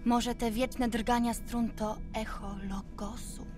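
A serene religious sister in a sci-fi radio drama, higher voice, philosophical, music under. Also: female voice, level tone, slow pace. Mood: warmly reflective. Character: contemplative, devout woman of a space religious order. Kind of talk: Polish radio drama acting.

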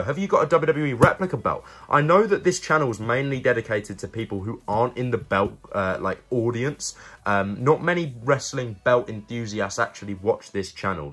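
A man's voice: medium pitch, fairly bright tone, husky. A young man hosting a casual, chatty video review, talking informally and directly to his viewers. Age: young adult. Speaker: YouTube host and product reviewer.

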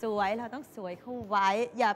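A woman's voice: on the high side, fairly even intonation, fairly quick, long reverb tail. A woman hosting a TV talk show, giving chatty, comic advice to viewers and acting out little quoted voices.

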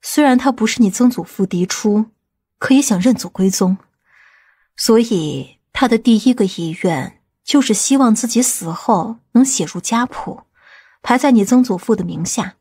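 A woman playing a composed, scheming aunt in an audiobook, measured and authoritative. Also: medium pitch, dark tone, breathy edge, lightly acted. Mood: grave, secretive. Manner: measured, matter-of-fact, authoritative. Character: composed, commanding, scheming aunt of a powerful family.

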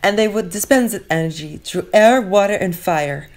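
A woman voicing a stern, authoritative older teacher in a cartoon fan dub, explaining things gravely. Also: medium pitch, normal speed, darkish tone, faint music behind, natural voice.

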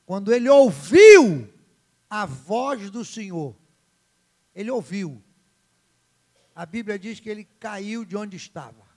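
A male pastor, preaching a sermon in an animated, dramatic way and acting out the story's characters. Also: high-pitched, takes it slowly, long pauses.

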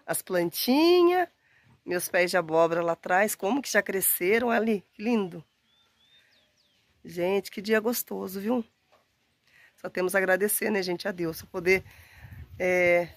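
A woman in her forties, slightly hoarse from a cold, chatting warmly to her phone camera outdoors in a windy garden. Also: medium pitch, dry recording. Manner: warm, chatty, often says "gente" and diminutives. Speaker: gardening vlogger. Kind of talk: casual chat to camera. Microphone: phone camera held at arm's length. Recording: faint wind noise outdoors.

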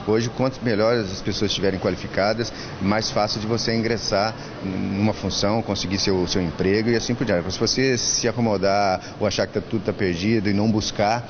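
A man's voice: on the low side, steady tone, brisk, few pauses. A man in his fifties, interviewed on camera at an indoor school fair, talking earnestly and giving advice, with many restarts. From Brazil. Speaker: school staff member interviewed. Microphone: handheld mic held by interviewer. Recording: lo-fi with clear background noise.

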